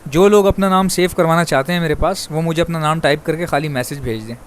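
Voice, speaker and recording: A man from Pakistan who vlogs about breeding birds, talking quickly and chattily to his viewers and calling them brother. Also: fairly high pitch. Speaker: bird breeder vlogger. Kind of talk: fast casual monologue to viewers.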